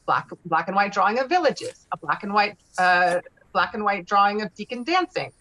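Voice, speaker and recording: Woman, middle pitch, stage directions reader, clipped descriptive phrases, script table read. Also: lively intonation, moderate pace, bright, forceful tone, low-quality recording. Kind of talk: reading screenplay directions aloud at a virtual table read.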